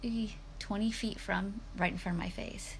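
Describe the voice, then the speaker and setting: Soft-spoken, a woman talks at a moderate pace with fairly even intonation and audible room echo. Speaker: dietitian. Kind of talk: casual vlog talk.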